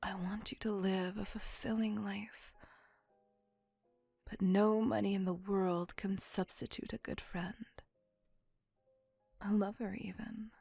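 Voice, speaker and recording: A woman's voice: medium pitch, flat delivery, slow, vocal fry, long pauses, breathy edge, no echo, full character voice. Woman voicing a whispering possessive vampire lady. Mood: tender. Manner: soft whispering, formal old-fashioned phrasing. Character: possessive centuries-old female vampire on a date. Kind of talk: ASMR roleplay. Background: faint music.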